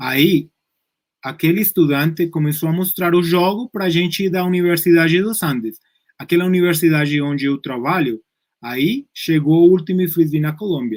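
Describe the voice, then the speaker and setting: With a Spanish accent, a man with a high voice speaks at a moderate pace with ordinary pitch variation. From Colombia. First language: Spanish (speaking Portuguese). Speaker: university professor. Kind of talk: lecture. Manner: halting.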